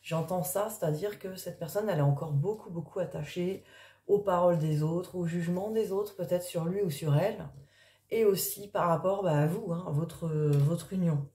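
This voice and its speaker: A woman card reader talking casually in an early-morning voice, improvising and thinking aloud in a halting way with trailing pauses. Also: on the low side, mellow. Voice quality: early-morning voice, which the speaker calls gruff. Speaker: tarot card reader and spiritual coach. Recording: echoey, reverberant room.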